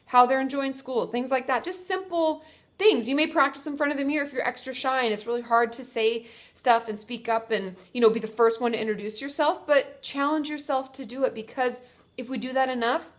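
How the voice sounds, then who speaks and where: A woman's voice: sits high, fairly quick. A young woman therapist with a congested, stuffy nose, giving chatty, reassuring advice to viewers and correcting herself as she goes. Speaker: therapist answering viewer questions. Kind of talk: casual advice vlog.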